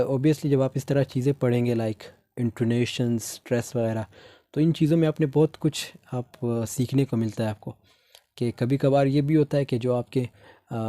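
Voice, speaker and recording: A man's voice: medium pitch, dark tone, dry recording. Man lecturing in Hindi-mix. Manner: mixes Hindi explanation with slow reading of English text. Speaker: teacher. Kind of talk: lecture explaining notes.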